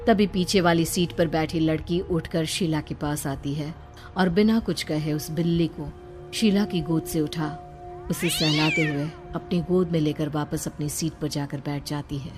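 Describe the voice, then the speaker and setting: A woman narrates a cartoon horror tale in a brisk, blunt manner with a somewhat low voice. Light music plays faintly beneath her. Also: fairly even intonation, darkish tone. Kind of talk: scripted cartoon story narration.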